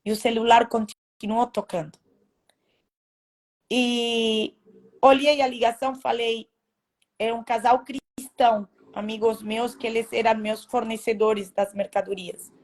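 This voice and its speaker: Woman sharing her faith testimony, kinda high voice, halting and emotional, lots of restarts. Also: steady tone. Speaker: testimony speaker.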